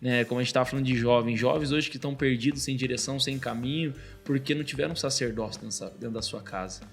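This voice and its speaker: A man in his thirties speaks as a guest on a podcast and tells a personal faith story in a casual, animated way. He talks very fast and keeps dropping the same filler word. His pitch sits in the middle range, and faint music plays underneath. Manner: animated storytelling, constantly says "cara". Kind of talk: casual testimony chat.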